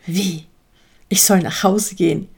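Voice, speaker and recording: Woman as a gentle, puzzled black sheep. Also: lowish voice, fairly even intonation, a little slow, creaky, breathy edge, full character voice. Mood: calm. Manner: mild, puzzled, reasonable. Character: calm friendly male black sheep newcomer.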